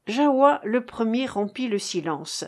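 A woman narrating a classic adventure novel as an audiobook reader, in a measured, deliberate way. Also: on the high side, lively intonation, a little mellow.

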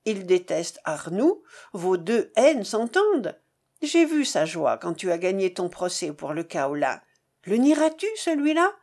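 A woman's voice: fairly high pitch, lively intonation, measured pace, a little mellow. A woman voicing an angry young man who bitterly accuses his mistress in a storybook reading. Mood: indignant, accusing. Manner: indignant, cold and cutting.

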